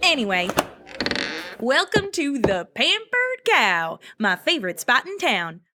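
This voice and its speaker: An eager young huntress in a fantasy audio drama. Her voice is high and very animated. She is cheeky, informal and folksy. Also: takes it slowly, heavily acted. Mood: friendly, chatty.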